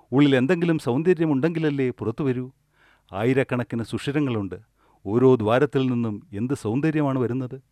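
A man delivers a calm, measured spiritual discourse as a meditation teacher, repeating key phrases for weight. His voice sits at an ordinary middle pitch and is recorded very dry and close, with no room sound. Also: dry recording.

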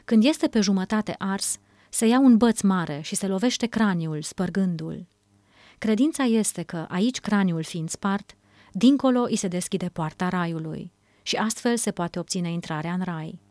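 A woman reading a dubbed spiritual talk in a measured, emphatic way, repeating her key phrases. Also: medium pitch, a little mellow, dry recording. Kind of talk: dubbed sermon.

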